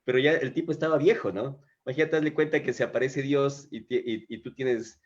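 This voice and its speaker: A man's voice: mid-range voice, a little fast. An earnest man hosting a live conversation about faith. He tells the story with animation and often stops to restart his sentences. The audio is dull and lo-fi, like a live stream. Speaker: host of a live faith talk. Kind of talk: casual spiritual conversation. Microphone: video call microphone.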